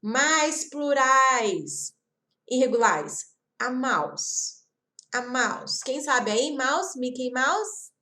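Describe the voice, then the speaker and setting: A woman from Brazil teaching an online English lesson, repeating example words slowly and talking straight to her viewers. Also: high-pitched, animated, sharp tone. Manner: slow, careful repetition of example words; chatty, addresses viewers directly.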